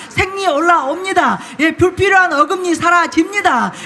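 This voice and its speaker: A raised, projected voice moves at a moderate pace with ordinary pitch variation over noticeable background noise. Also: woman. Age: 60s. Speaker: pastor. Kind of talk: sermon with healing declarations. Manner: loud, emphatic commanding declarations.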